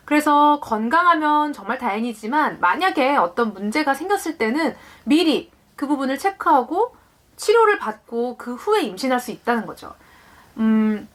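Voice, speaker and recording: A young woman in her late twenties explains things to her viewers in a friendly vlog. Her voice sits high and moves a lot, rising and falling as she walks through each point. She often asks a question and then answers it herself. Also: very animated, moderate pace. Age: late 20s. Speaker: parenting vlogger.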